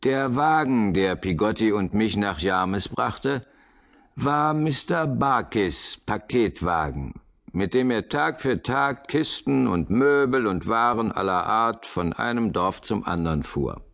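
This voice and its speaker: A man narrating a radio drama in the first person, looking back on his childhood in a measured, reflective way. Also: on the low side, expressive, creaky, a bit bright, full character voice.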